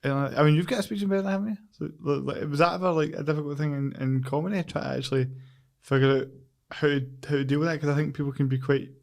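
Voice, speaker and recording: A Scottish man with a slightly high voice hosts a podcast in a loose, conversational way. He talks informally, with self-deprecating banter. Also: fairly even intonation, very fast, vocal fry, darkish tone. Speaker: podcast host. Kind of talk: casual interview chat.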